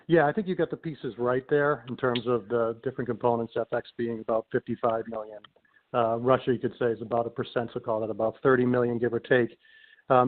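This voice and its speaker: A man speaking as a finance executive on an earnings call, informal and conversational. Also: mid-range voice. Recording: tinny phone conference line.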